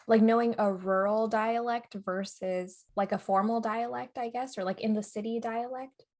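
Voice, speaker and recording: A woman's voice: fairly high pitch, fairly even intonation, normal speed, darkish tone. A young woman co-hosting a podcast in casual chat, telling stories with lots of fillers and laughing easily. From United States. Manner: chatty, laughs easily, filler-heavy storytelling. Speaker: podcast co-host.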